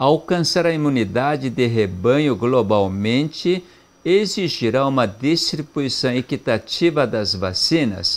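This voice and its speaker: Lively intonation marks this man's speech at a medium pitch. His pace is fairly slow. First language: not Portuguese (foreigner) (speaking Portuguese). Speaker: health program host. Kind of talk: health talk with reading aloud.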